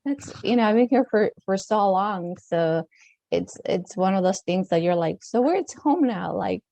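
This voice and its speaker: A woman's voice: medium pitch, steady tone, vocal fry, mellow, no echo. Latino-accented woman chatting, close dry sound. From Mexico. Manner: halting, circling phrasing with frequent "like" and "you know". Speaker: podcast guest, dancer and author. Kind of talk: casual conversational interview.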